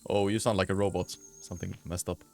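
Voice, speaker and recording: A man hosting a gaming video, giving casual gameplay commentary with excited outbursts and casual slang. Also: deep voice, brisk, vocal fry, soft background music.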